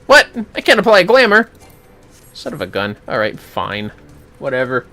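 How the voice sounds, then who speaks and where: A man's voice: medium pitch, wildly swooping pitch, moderate pace, bright, forceful tone, soft background music. A man giving casual, foul-mouthed commentary on a gaming livestream, muttering to himself with playfully theatrical outbursts.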